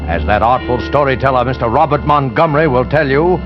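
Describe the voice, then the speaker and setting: A man's voice: medium pitch, brisk, natural voice. A man playing an ominous suspense-show host who introduces the tale, in 1940s radio acting. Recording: dull old radio broadcast with music.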